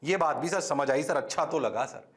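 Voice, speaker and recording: A man's voice: a little high, moderate pace, a bit bright, roomy sound, pitched below the performer's own voice, natural voice. A male teacher voicing a fawning young male student, who eagerly agrees in a sing-song, repetitive way. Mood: eager, flattering. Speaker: mock student in a lecture.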